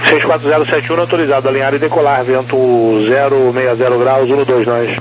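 A man's voice: medium pitch, little pitch movement, fairly quick, lo-fi sound. A man speaking over a two-way radio as an air traffic controller, terse and formulaic. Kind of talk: clipped radio phraseology. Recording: noisy radio transmission with hum.

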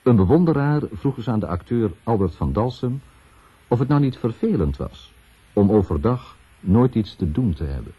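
Man, low husky voice, measured scripted narration, clipped short phrases, dull seventies radio recording. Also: big pitch swings. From Netherlands.

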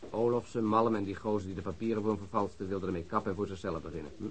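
An actor playing a dry, wry police detective in a radio crime drama, speaking colloquially. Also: male voice, on the low side, steady tone, racing, a little hiss or hum, natural voice. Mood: wry, summing up. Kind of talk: Dutch radio drama dialogue.

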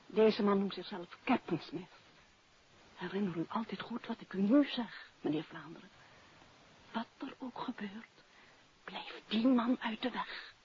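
A woman's voice: medium pitch, measured pace, pauses often, background noise, close to an everyday voice. An actress playing a frightened, secretive woman in a 1950s radio drama, speaking in a grave and insistent way. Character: frightened, secretive woman urgently warning a detective. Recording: dull old radio recording.

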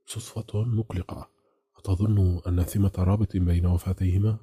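A man voicing an eager, showy male radio host in an audiobook, with an announcer-like, enthusiastic manner and a low, husky voice. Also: fairly even intonation, moderate pace, mellow, dry recording, clean studio sound.

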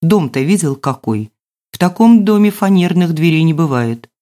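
A woman reader voicing a gruff, irritated man in black, the shorter of two intruders, in an audiobook. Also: deep voice, animated, normal speed, mellow. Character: gruff stocky male thug, the shorter one.

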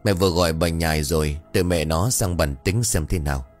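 Worried old mom, man reading her, gentle and soothing, deep voice, faint music. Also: fairly quick, close to an everyday voice. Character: worried elderly mother-in-law.

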